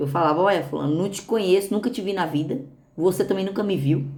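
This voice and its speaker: In a Brazilian accent, a woman with a medium pitch and lively intonation talks at a moderate pace, with audible room echo around her. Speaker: pastor. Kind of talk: sermon.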